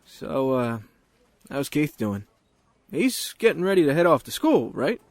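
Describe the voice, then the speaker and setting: An actor playing an easygoing, joking police officer in a naturalistic audio drama, with informal, slightly hesitant delivery. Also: male voice, a little high, sing-song, a little slow, no echo. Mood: casual, joking.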